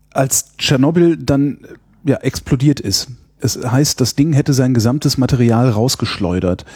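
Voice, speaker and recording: A man speaks at a moderate pace with medium pitch and ordinary pitch variation. His tone is dark and mellow, and somewhat breathy. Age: 40s. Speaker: podcast host. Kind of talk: interview. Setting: in-person interview at guest's institute. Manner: hesitant, many fillers.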